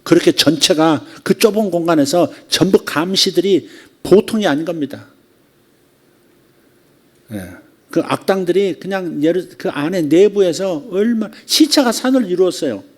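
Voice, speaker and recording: Male pastor preaching, kinda high voice, chatty, lots of rhetorical questions. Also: lively intonation. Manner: acts out quoted lines with drawn-out repetitions. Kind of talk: sermon.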